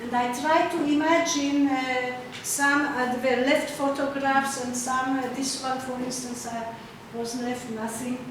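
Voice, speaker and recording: At an exhibition opening, an older woman presents her art in a slideshow talk, speaking haltingly and filling pauses while she gropes for words. Originally from Czechoslovakia with Hungarian as her first language, she has a high voice and a steady tone. The sound is distant, echoey and noisy.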